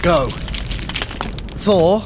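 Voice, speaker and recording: A man playing a quick-witted, scheming god in an audio drama, sardonic, urgent and commanding in manner. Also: high voice, noisy background. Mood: tense. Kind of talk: audio drama acting for a fitness adventure.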